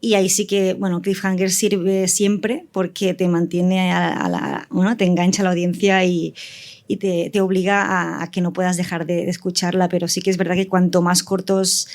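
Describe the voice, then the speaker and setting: A woman's voice: fairly low pitch, level tone, normal speed, darkish tone. A woman with an accent from Spain, talking casually as a writer in a panel discussion. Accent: Spanish from Spain. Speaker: audio fiction writer, panelist.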